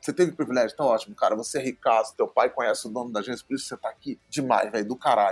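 At a very fast pace with hardly any pauses, a man speaks at a medium pitch with ordinary pitch variation, in a dry, close sound with no echo. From Niterói, Rio de Janeiro, Brazil. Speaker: advertising copywriter. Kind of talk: casual interview.

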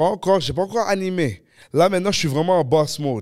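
In an ordinary speaking voice, a man talks at a fairly quick pace with lively intonation, on a very clean recording with a silent background. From Ottawa, Canada. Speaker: comedian. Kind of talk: casual chat.

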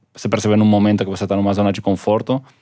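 Over a very clean, silent background, a man with a Spanish accent talks at a fairly low pitch. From Catalonia, Spain. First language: Catalan/Spanish (speaking Portuguese). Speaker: football league executive. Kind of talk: casual interview.

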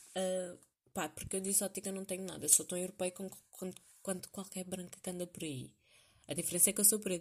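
A woman in an animated tone, somewhat breathy, at a fairly quick pace. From Portugal. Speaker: podcast host. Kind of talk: casual monologue. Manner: halting.

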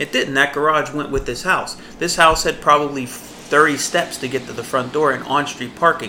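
An American accent at a moderate pace, with fairly even intonation and noticeable background noise. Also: man. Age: 50s. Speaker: real estate investor and trainer. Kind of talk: podcast instruction.

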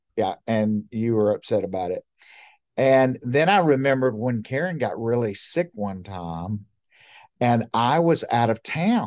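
Over a quiet background, a man with a Southern US accent speaks fairly slowly at medium pitch with lively intonation. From US South, Montgomery, Alabama. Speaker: church music minister and mentor. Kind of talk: casual interview chat.

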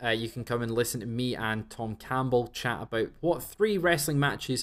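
A man speaks with an Edinburgh accent at a medium pitch. His pace is moderate and his pitch varies in an ordinary way. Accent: Scottish (Edinburgh). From Scotland, Edinburgh. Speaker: podcast co-host. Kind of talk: casual chat. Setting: remote call recording.

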